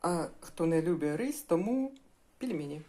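A woman's voice: lowish voice, lively intonation, normal speed, background noise. An older woman chatting in a homely way while she cooks breakfast, addressing her viewers as girls. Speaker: cooking vlogger. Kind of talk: casual cooking vlog.

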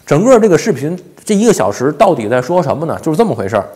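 一位四十多岁、带北方普通话口音的男性，用口语化的方式做时政评论，常用反问和“对不对”之类的追问。. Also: male voice, on the high side, sing-song, very fast, mellow. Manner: colloquial, rhetorical questions, frequent tag questions. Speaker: commentator, host of a daily show. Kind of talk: informal political commentary. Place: small indoor home office. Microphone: lapel.

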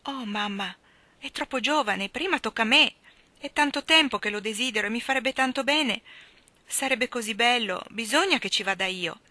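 Storybook role: woman reading as a headstrong teen girl, exclamatory, bright tone. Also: lowish voice, moderate pace, no room sound, full character voice. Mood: upset. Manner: passionate, exclamatory. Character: headstrong impulsive teenage girl.

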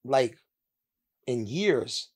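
A man in his thirties from India, a podcast guest telling his story in a candid, animated way with quick laughs, speaking into a studio mic. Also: medium pitch, husky. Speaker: podcast guest, sneaker store owner. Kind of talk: casual interview chat. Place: sneaker-lined studio, indoors. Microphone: mounted podcast mic with headphones.

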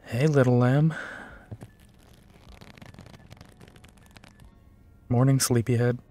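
A man's voice: mid-range voice, fairly even intonation, normal speed, dark tone, soft background music, natural voice. A man playing a big, tired, protective werewolf detective in an intimate, conversational audio drama, with a musing, sighing manner. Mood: gentle, tired. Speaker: voice actor in audio roleplay.

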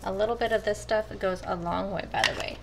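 A woman explains her meal prep step by step in a relaxed, friendly chat, talking straight to her viewers. Her voice sits at an ordinary middle pitch. A steady background noise runs under the home kitchen recording. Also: fairly quick, gravelly. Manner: chatty, addresses viewers as you guys. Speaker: cooking vlogger. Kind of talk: casual step-by-step cooking talk.

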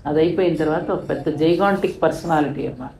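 A woman's voice: low voice, fast talker, mellow, echoey room, a little hiss or hum, poor audio. An older woman from India, telling a story in an interview with a passionate, emphatic manner. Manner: impassioned, rising to emphatic peaks. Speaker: guest speaker.

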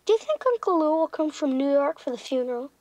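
Woman doing little kid in a cartoon, high and blunt, out for themselves, close dry sound. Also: big pitch swings, fast, darkish tone, no echo, poor audio. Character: blunt, self-interested young child.

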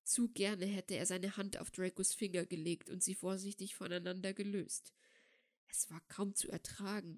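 A woman narrating a fan fiction audiobook in a calm, steady way. Her voice sits at a middling pitch, neither high nor low. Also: dry recording, studio quality. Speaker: audiobook reader.

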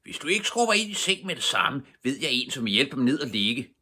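A man voicing a proud, loud robber chief father in a storybook reading. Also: sits low, animated, full character voice. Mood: roaring.

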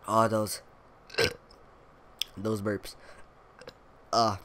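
This gaming creator's voice sits on the low side, bright and forceful, despite being clearly stuffed up. He coughs, rambles casually through his gameplay commentary with many fillers, and boasts in a playful way. Slight background noise can be heard.

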